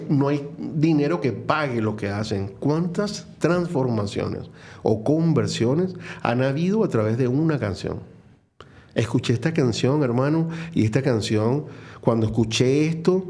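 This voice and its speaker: A man's voice: mid-range voice, warm tone. Earnest Venezuelan man on faith and music. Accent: Venezuelan Spanish. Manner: earnest, reflective, many fillers and restarts. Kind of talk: conversational interview.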